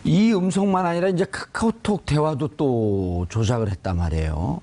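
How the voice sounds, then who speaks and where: A man's voice: a little high, moderate pace, mellow. A man hosting a political news panel, putting pointed questions to the guests. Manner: probing, poses pointed questions. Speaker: host.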